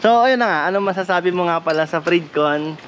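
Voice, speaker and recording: A man's voice: high-pitched, fairly quick, a bit bright. A Filipino man hosting a vlog, chatting casually and jokingly while demonstrating a product in an informal, buddy-like way. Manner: jokey, informal, addresses listener as brother. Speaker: vlog host giving away and demonstrating a product. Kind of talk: casual chat and hands-on demonstration. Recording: noisy lo-fi recording with vehicle ambience.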